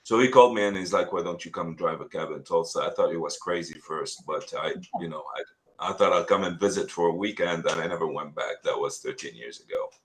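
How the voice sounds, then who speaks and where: A middle-aged man from Lebanon, a real estate agent telling his story in an earnest, halting way full of restarts. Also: deep voice, fairly bright tone. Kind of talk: casual interview talk.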